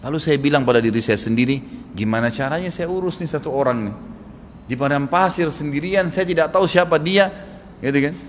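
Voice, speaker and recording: A man's voice: on the high side, brisk, slight background noise. A man preaching a sermon, telling a story and acting out its dialogue with animation. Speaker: Islamic preacher. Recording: long hall reverb, faint ambience.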